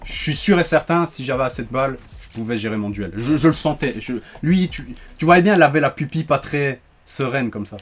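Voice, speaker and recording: A man giving joking, animated commentary while playing a shooter, ranting when things go wrong. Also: medium pitch. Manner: animated, joking, quick to rant when frustrated. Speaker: gaming YouTuber. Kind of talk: live gameplay commentary.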